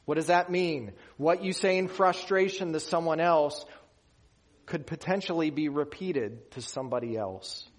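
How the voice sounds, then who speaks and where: A man from Western Pennsylvania preaching a sermon in an earnest, emphatic way. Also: a little high. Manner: earnest, emphatic preaching with slow deliberate pauses. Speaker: pastor.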